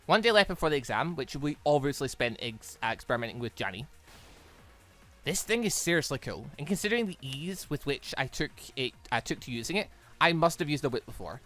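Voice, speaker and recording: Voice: medium pitch, sing-song, a little fast, a bit bright, faint music behind. A person doing a casual let's-play, reading a visual novel aloud and often stumbling and rereading phrases. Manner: stumbles over read lines and repeats them.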